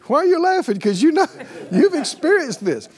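Animated preacher man leading call-and-response. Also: very high voice, moderate pace. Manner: exhorting, call-and-response with congregation; repeats phrases for emphasis. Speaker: pastor. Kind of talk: sermon.

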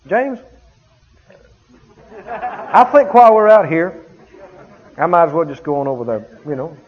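A man's voice: a little high, big pitch swings, measured pace. A man voicing a proud male commander who speaks in an offhand, casually grand way. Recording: dull lo-fi sound.

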